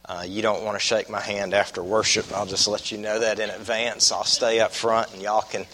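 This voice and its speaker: Croaky Southern preacher, bright forceful voice. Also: male voice, on the low side, flat delivery, slight background noise, low-quality recording. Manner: folksy, deliberate, repeats phrases for emphasis. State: croaky from a cold and cough. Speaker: pastor preaching to his congregation. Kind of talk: expository sermon.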